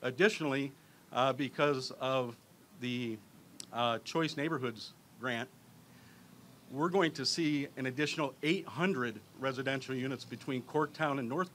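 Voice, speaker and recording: A man speaking as a neighborhood representative at an outdoor park ceremony. His speech is halting, with many fillers and restarts. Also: medium pitch, fairly bright tone, slight background noise. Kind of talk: public speech.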